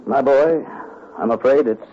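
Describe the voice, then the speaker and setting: A man's voice: mid-range voice, measured pace, a little hiss or hum, close to an everyday voice. An actor playing a pompous, long-winded male tree doctor who orates grandly in a vintage radio comedy. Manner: grand orating, then dry punchline. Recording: muffled vintage radio recording.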